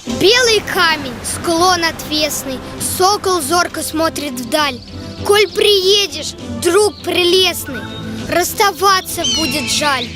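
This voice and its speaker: A childlike voice reciting verse as narration for a children's cartoon, in a measured, declamatory way. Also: very high-pitched, expressive. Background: music.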